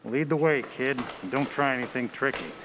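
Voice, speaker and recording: A man's voice: mid-range voice, lively intonation, brisk, a bit bright, slight background noise, natural voice, low-quality recording. Man playing a curt police sergeant. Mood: stern, businesslike. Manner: curt, authoritative, slangy. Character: gruff, no-nonsense male police detective sergeant. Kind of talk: old-time radio drama acting.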